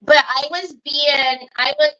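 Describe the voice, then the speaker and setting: A woman with a high, bright voice hosts a casual crafting livestream from her computer mic. She talks in a slow, easygoing way, stopping often to greet viewers by name. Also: fairly even intonation, lo-fi sound. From Northern California.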